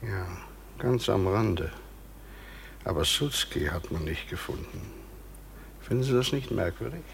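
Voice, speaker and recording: An actor playing a formal, probing justice official in a radio crime drama, with measured, insistent questioning. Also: male voice, sits low, lively intonation, creaky, slight background noise, heavily acted. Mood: sceptical, pressing. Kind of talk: German radio play acting.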